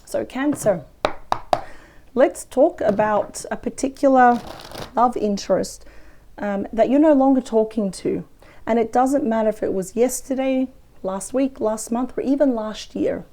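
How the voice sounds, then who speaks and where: A woman with a weak, croaky voice from a cold, chatting through a weekly tarot reading. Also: on the high side, a little slow, warm tone. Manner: chatty, thinks aloud over the cards. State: hoarse from a cold. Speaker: tarot reader. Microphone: close microphone.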